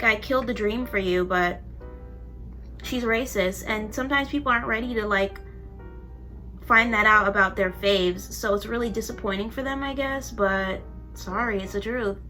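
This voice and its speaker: A woman's voice: a little high, sharp tone. A young woman doing her makeup on camera in a casual vlog, talking bluntly and heatedly and swearing freely. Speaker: beauty vlogger.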